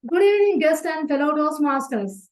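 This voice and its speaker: A woman with a high, light voice reads out meeting rules in a formal, measured way. She speaks over a video call and sounds prepared and orderly. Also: animated, rough recording. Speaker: sergeant at arms of a speaking club meeting. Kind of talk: formal meeting opening, read announcements.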